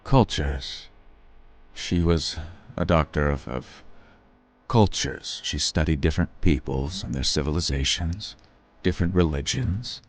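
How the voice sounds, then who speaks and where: A man plays a weary veteran of war in an audio drama. His voice sits very low and moves slowly. He is guarded and understated, often halting mid-thought. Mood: wistful, fond.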